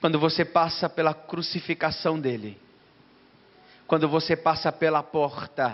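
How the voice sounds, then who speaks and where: Fairly slow, fairly high-pitched speech from a man, with ordinary pitch variation and long, frequent pauses. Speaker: pastor. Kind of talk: sermon. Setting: church.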